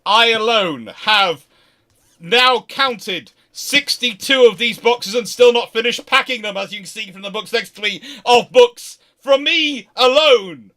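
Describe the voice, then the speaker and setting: A British man hosts a casual livestream about history, answering viewer questions in a rambling, emphatic style that keeps interrupting itself. His voice is extremely high-pitched, bright and forceful, delivered at a measured pace.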